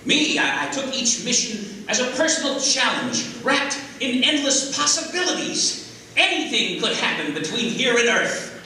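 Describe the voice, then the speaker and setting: An actor playing an eager, wisecracking little robot scout with an upbeat, teasing manner in a live script reading. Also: male voice, very high voice, sing-song, normal speed, sharp tone, exaggerated voice. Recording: echoey hall from far off, noisy.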